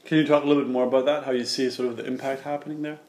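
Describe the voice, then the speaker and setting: A man's voice: medium pitch, fairly even intonation, racing, a little mellow, roomy sound. A man interviewing a guest, asking short questions with a few fillers. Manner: asks brief questions with fillers.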